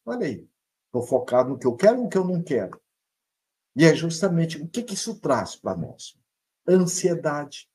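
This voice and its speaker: A middle-aged man with a Brazilian Portuguese accent, a psychologist giving a motivational live talk, jumping between high and low pitch as he acts out people's worried thoughts. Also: warm tone, slightly rough.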